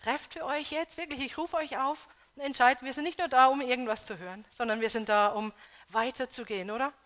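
A woman preaching a sermon, earnestly urging her congregation with questions, moving between loud appeals and soft, hushed emphasis. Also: high voice, a little fast.

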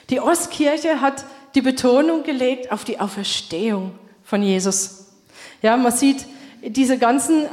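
A woman's voice: high voice, darkish tone, in a large hall. A woman preaching a sermon to her congregation, speaking emphatically and putting questions to her listeners. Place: church.

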